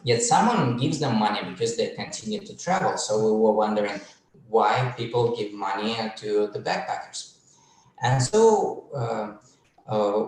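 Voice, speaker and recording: A man from Russia giving an academic webinar presentation on research, speaking in a measured way with many pauses. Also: mid-range voice. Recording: echoey room, far from mic.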